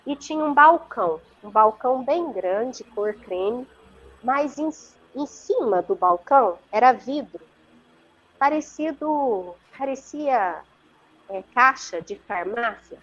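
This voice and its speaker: A woman's voice: fairly high pitch, lively intonation, takes it slowly, a bit bright. A woman with a Brazilian Portuguese accent, telling a story as an interview guest over a video call, earnest and vivid, often checking in with her listener. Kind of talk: conversational storytelling. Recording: muffled lo-fi video call audio.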